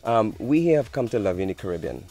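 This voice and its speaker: Casting: very low-voiced male interviewer, gravelly texture, measured delivery, faint music behind. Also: very animated, dark tone. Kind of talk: interview questions.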